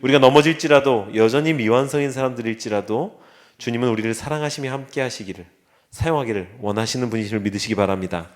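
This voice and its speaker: A man's voice: mid-range voice, fast. A man preaching a sermon as pastor in a church, earnest, with wry quips and acted asides. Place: church sanctuary.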